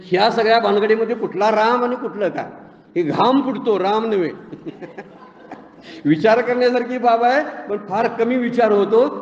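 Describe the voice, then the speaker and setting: A man's voice: high voice, measured pace. A man gives a devotional discourse on scripture, telling folksy stories and asking rhetorical questions. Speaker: spiritual discourse speaker. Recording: roomy echoing hall, slightly muffled.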